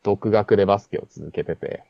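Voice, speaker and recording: Low-voiced man telling a rambling story. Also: a little fast, vocal fry, no echo. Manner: rambling storytelling with frequent fillers. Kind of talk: casual chat. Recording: dull lo-fi sound.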